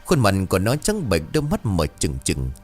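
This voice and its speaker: Low, expressive male storyteller. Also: brisk, breathy edge, faint music behind. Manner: expressive, swooping delivery. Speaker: narrator. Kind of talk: dramatic storytelling narration.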